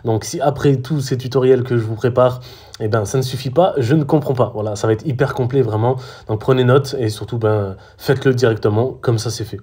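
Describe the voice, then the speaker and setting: Here a man from France walks through a casual screen-recorded social media tutorial, hesitating with many fillers and restarts. His medium-pitched voice is warm and slightly rough, and he moves at a brisk pace.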